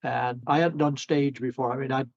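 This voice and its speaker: A man's voice: medium pitch, steady tone, moderate pace, gravelly. A man chatting casually as a guest, with slightly lo-fi recorded sound. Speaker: amateur actor, guest. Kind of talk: casual conversation.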